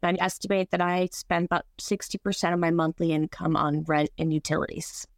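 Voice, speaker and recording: A woman's voice: lowish voice, steady tone, fairly quick, dry recording, clean studio sound. A woman in her twenties, a renter, speaking in a plain, composed way. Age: 20s. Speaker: interviewed renter. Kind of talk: interview testimony.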